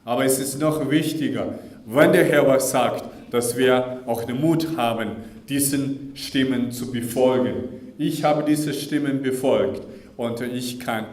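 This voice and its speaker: A man interpreting a sermon live, measured and earnest, sometimes restarting a phrase. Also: mid-range voice, a little mellow, echoey room. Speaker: German interpreter. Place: school assembly hall.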